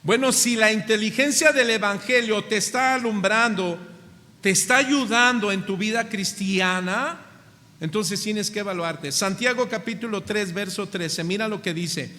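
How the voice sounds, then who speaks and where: A Mexican pastor with a high, bright voice preaches with a Mexican accent, putting question after question to his congregation and stretching out the words he stresses. The sound carries the long reverb of a church hall. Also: moderate pace. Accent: Mexican Spanish. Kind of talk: sermon.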